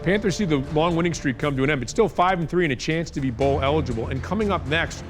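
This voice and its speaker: A man's voice: fairly high pitch, quick pace, over music. Man hosting a sports show. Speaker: show host.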